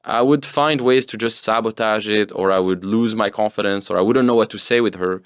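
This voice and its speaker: A young man from Tunisia, telling his story as a guest in a relaxed, rambling way. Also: lowish voice, a little fast, clear, resonant tone, dry recording, clean studio sound. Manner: relaxed, rambling with fillers and restarts. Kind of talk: casual interview storytelling.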